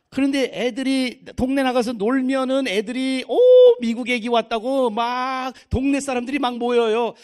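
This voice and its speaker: A man in his fifties from Korea, preaching a sermon in a humorous, conversational way and acting out other people's voices. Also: high-pitched. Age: 50s. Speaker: pastor. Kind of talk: sermon storytelling. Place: church.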